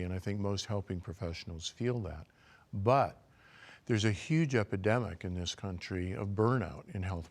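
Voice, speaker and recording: An older man, a physician, giving a calm, measured health lecture and guiding listeners through self-assessment questions. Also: low voice.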